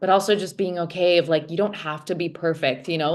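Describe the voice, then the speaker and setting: The speaker has an American accent and talks at a fairly quick pace with fairly even intonation. Music is playing in the background. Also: woman. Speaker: marketer and stand-up comedian. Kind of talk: interview conversation.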